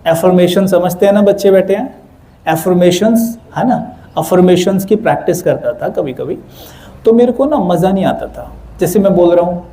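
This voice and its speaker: A young man giving a lively spiritual talk to a live audience, asking them to answer aloud. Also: high voice. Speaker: spiritual speaker.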